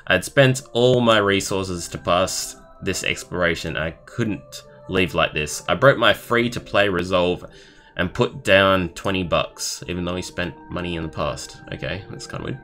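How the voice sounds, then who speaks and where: A young man live streaming, reading a story aloud in a halting way and adding casual comments of his own. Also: deep voice, fairly bright tone. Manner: halting, stumbling over words while reading. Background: background music.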